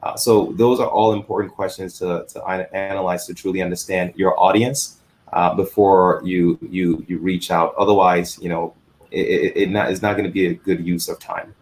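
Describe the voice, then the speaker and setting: A man on an investor panel, speaking haltingly with frequent restarts. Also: low voice, little pitch movement, darkish tone. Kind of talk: panel discussion.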